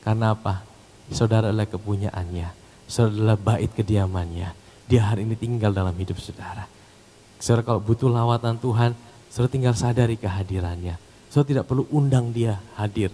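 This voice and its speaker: A pastor preaching a sermon. He rises to loud, emphatic calls and drops to soft, low asides. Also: slight background noise. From Indonesia. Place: church hall. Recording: long hall reverb.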